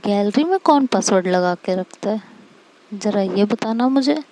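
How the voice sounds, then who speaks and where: A woman's voice: medium pitch, expressive, measured pace, mellow, lightly acted. A woman voicing a jealous, possessive young woman who coolly threatens and interrogates her wife. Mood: menacing.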